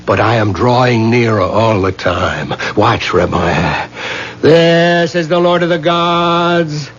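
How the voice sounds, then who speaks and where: An actor playing an obsessed young student of the black arts in a 1970s radio drama, intense, incantatory and imploring. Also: male voice, medium pitch, expressive, slow pace, a bit bright. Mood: fervent invocation. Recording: dull vintage radio recording with hiss.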